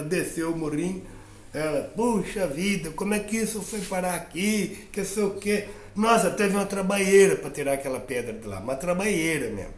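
A man telling a children's fable in a lively, playful way, full of sound effects. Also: a little high. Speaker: storyteller. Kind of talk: oral storytelling for a class. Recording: roomy echo.

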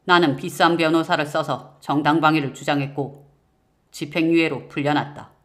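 A man's voice: on the high side, steady tone, moderate pace, a bit bright. Man narrating a suspenseful story. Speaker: audiobook narrator. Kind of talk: scripted first-person narration.

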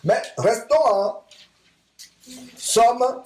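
High-voiced man preaching in echoey hall. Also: very slow, darkish tone. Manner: emphatic, asks rhetorical questions and repeats lines. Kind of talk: sermon. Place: church assembly hall.

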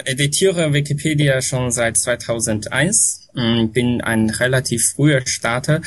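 A middle-aged man from China, a podcast guest talking slowly and hesitantly, with many pauses and restarts. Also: mid-range voice. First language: Chinese. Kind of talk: casual podcast conversation. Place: home near an airport. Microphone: remote call from home.

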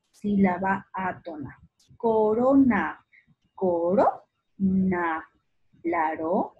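A woman teacher with a high, very breathy voice gives a slow lesson to small children. She draws out each word syllable by syllable and speaks fondly to the child, and the recording sounds dull and lo-fi. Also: a little mellow. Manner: affectionate toward the child. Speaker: primary school teacher. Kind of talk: remote lesson for young children.

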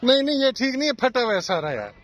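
With a very high, sing-song, fairly bright voice and a quick pace, a young vlogger dad playfully coaxes his child along at an outdoor amusement park by a lake. The casual chat is captured in a muffled, noisy outdoor recording.

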